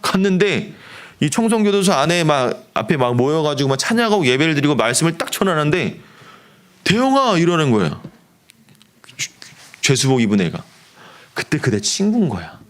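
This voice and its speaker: A man's voice: a little high, a little fast. A middle-aged man, a pastor preaching a youth sermon, telling a story and acting out the voices in it. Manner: animated, acts out quoted voices of friends.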